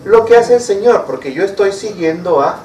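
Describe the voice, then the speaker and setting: High-voiced preacher in an echoey hall. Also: male voice, animated, moderate pace, a little mellow, a little hiss or hum. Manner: asks the congregation rhetorical questions. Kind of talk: sermon. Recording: echoey room, mic far off.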